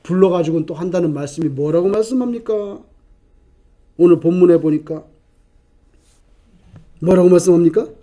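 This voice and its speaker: Pastor, male, very high voice, animated preaching with rhetorical questions. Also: moderate pace, pauses often. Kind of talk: sermon.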